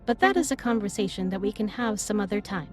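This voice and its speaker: A woman playing a gentle, earnest female alien starship captain in an audio roleplay, speaking in formal, precise sentences straight to the listener. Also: medium pitch, animated, quick pace, soft background music, close to an everyday voice. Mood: heartfelt, affectionate. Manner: formal, precise, slightly stilted wording.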